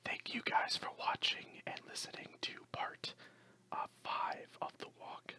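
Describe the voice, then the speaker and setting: Unvoiced, breathy ASMR whisper. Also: measured pace, bright, forceful tone. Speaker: ASMR creator and amateur story writer. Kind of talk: whispered ASMR, reading a nature story and chatting to listeners.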